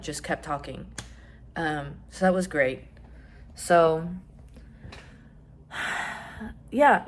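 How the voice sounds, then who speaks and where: A young trans man chatting casually in a vlog, rambling with lots of fillers and some swearing, his voice rising when he gets excited. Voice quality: voice still fairly high, rising when excited. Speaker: vlogger.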